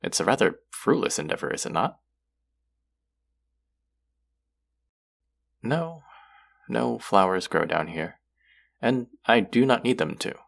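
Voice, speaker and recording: Guy doing aloof underworld god for audio rp, really deep n gravelly, formal and dry, secretly soft. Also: very animated, normal speed, full character voice. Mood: perplexed, dismissive. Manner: formal, wry, guarded, addressing the listener directly. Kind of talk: intimate scripted audio roleplay.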